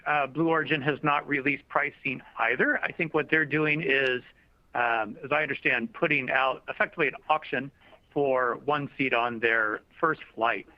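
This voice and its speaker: A man speaking as a company executive, answering questions in a measured, diplomatic and explanatory way in a semi-formal business style. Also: medium pitch, no room sound. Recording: dull lo-fi conference call audio.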